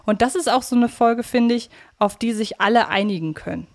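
A woman's voice: a little high, a little fast, a little mellow. Woman chatting as a podcast co-host. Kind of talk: casual podcast discussion.

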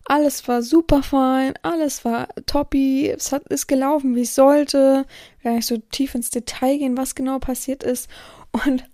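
A woman's voice: sits high, steady tone, normal speed, dark tone, dry recording, clean studio sound. A woman hosting a podcast as a dominatrix, talking in a rambling, self-correcting monologue. She acts out what people said and sometimes drops to a whisper. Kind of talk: casual spoken monologue. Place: indoor room with an air filter running. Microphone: close studio-style mic, audio only.

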